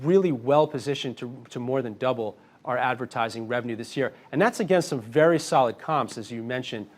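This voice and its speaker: A man speaking as a company executive, answering analysts on an earnings call in a confident, measured way. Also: mid-range voice.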